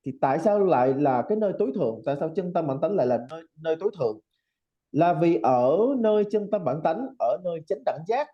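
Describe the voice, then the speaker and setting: A man interprets a Buddhist teaching, explaining each point at a steady pace. His voice sits a little high. The recording is dull and lo-fi. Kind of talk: translating a dharma teaching. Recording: dull lo-fi audio.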